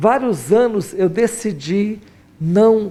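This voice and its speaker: A high-pitched man's voice with a dark, mellow tone at a very slow pace. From Brazil, southern Maranhão. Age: 60s. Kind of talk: interview. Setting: bishop's residence.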